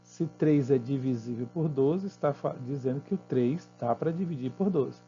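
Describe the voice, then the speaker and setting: A Brazilian man explains math exercises in a patient, mellow way and keeps checking in with his students. The sound is dull and lo-fi, with faint music and a low hum underneath. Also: normal speed. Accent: Brazilian Portuguese. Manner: patient, checks in often with tag questions. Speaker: math teacher.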